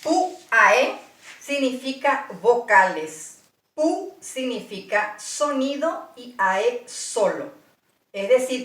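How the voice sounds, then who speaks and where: Woman with a Paraguayan Spanish accent, patient teacher, slightly high voice, a bit off-mic in an echoey room. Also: a bit bright, distant mic. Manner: slow, patient, spells out sounds one by one. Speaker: language teacher. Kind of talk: slow, deliberate language lesson.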